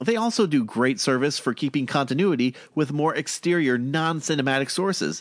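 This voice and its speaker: Over a quiet background, a normal speaking voice goes at a moderate pace with lively intonation. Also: man. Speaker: podcast host. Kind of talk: casual chat.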